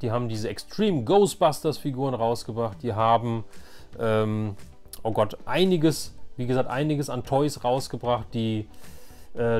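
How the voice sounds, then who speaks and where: A man's voice: medium pitch, a little mellow. A man in his forties hosts a casual show-and-tell in a mid-range voice. He meanders and hesitates as he goes, with an enthusiast's interest. Faint music plays underneath. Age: 40s. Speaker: toy collector and video host.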